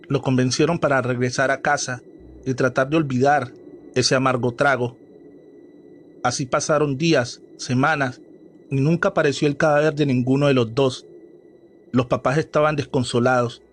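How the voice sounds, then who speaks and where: A man narrating scripted horror stories as a storyteller, with a dramatic, steady delivery. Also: medium pitch, a little hiss or hum.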